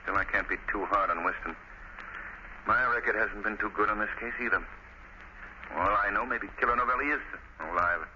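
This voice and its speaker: An actor playing a shrewd gentleman detective in 1930s radio style, urbane, deliberate and commanding. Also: fairly low pitch, close to an everyday voice. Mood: brooding. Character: shrewd gentleman detective who poses as unseen avenger. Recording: noisy, dull 1930s radio recording.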